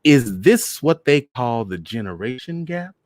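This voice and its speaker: A man's voice: mid-range voice, very animated, a little slow, darkish tone, no echo, voice pushed up. A man voicing a feisty, proud middle-aged mother who talks in a sassy, plain-spoken, colloquial way. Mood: indignant, surprised.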